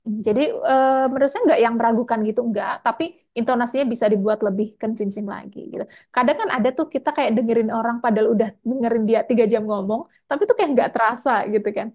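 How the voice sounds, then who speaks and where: Woman, scholarship mentor, casual feedback, chatty, video call, slightly high pitch. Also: fast, muffled recording. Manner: casual, chatty, frequent tag words. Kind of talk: giving mock interview feedback.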